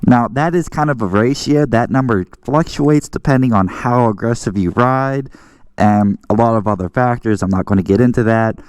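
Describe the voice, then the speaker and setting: A man's voice: mid-range voice, normal speed, darkish tone, smooth, no room sound. An American man talking casually as a motorcycle vlogger, explaining things in an informal, rambling way and often correcting himself. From southwestern Pennsylvania, US. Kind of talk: casual explanatory vlog talk.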